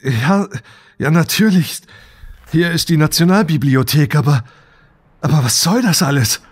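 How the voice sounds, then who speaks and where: An actor playing a desperate, awestruck husband in a science fiction audio drama, speaking haltingly and emotionally. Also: male voice, fairly high pitch, animated, husky. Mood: bewildered.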